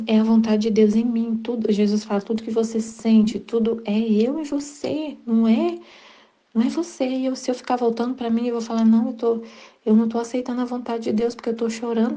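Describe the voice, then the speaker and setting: A middle-aged woman with a Brazilian accent, hosting a Catholic devotional channel and sharing a personal spiritual reflection in an earnest, repetitive way with halting restarts. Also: medium pitch, warm tone, muffled recording. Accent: Brazilian Portuguese.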